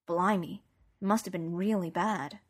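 A woman's voice: fairly low pitch, moderate pace, husky. Woman reading a sweet teenage boy. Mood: concerned.

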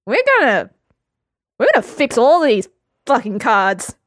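Woman putting on a rowdy drunk witcher, young man, loud, slurring, crude; dry close read. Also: medium pitch, slow, no room sound. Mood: drunk jeering.

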